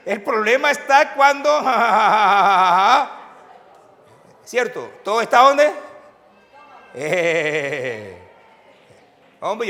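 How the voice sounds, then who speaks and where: A male pastor, preaching a sermon and quizzing the congregation, chuckling now and then. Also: high voice. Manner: animated preaching with call-and-response questions. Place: church sanctuary. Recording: reverberant church hall.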